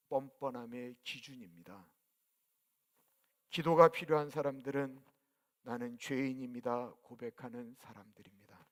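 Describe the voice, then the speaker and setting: Male pastor, forties, sermon, high voice, loud then hushed, echoing church sanctuary. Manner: swings between loud emphatic lines and hushed near-whispers.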